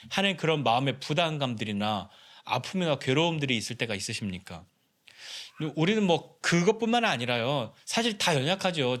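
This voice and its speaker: A man's voice: on the high side, fairly bright tone. A male pastor preaching a sermon in a conversational style, asking the congregation many rhetorical questions. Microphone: Zoom recording.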